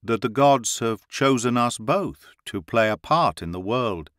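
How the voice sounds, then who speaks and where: A weary warrior chief, as the male reader plays him, talks in a low, subdued and grave manner. The delivery is slow and deliberate. The recording is dry and close. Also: animated, fairly bright tone, no echo. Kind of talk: audiobook reading.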